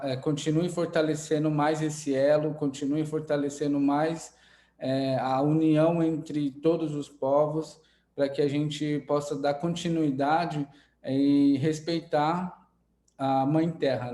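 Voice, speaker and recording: A man's voice: fairly high pitch, dark tone, reverberant. A Brazilian Indigenous man, not a native Portuguese speaker, speaking with many hesitations as an invited musician at an online event. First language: an Indigenous language. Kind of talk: heartfelt online event remarks.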